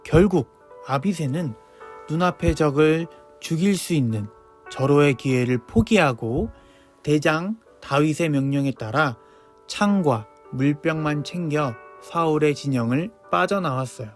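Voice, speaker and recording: Male children's preacher, higher voice, lively storyteller, soft music underneath. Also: a little slow.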